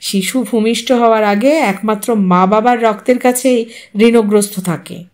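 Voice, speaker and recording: A patient, reassuring male doctor in an audio story, voiced by a woman. He explains things in a soothing, even manner. The voice sits fairly high. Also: normal speed, lightly acted. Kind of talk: audiobook reading.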